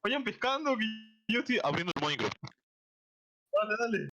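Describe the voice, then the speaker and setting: A man's voice: high voice, very animated, normal speed, bright, forceful tone, a little hiss or hum. A man chatting casually and playfully in character during a gaming roleplay, with exclamations. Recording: dull lo-fi mic.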